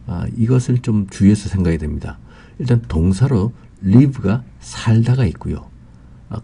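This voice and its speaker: Dark, gravelly-voiced male Korean English teacher. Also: low voice. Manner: slow and careful, drawing out English example phrases, with frequent "ah" fillers. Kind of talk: explaining grammar in a recorded lesson.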